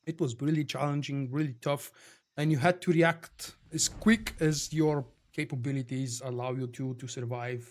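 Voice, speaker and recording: A man's voice: mid-range voice, fairly even intonation, moderate pace. A man from Bulgaria with a Bulgarian accent, casually chatting with viewers while streaming a game. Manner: chatty, reads and answers viewer chat. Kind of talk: casual live-stream chat.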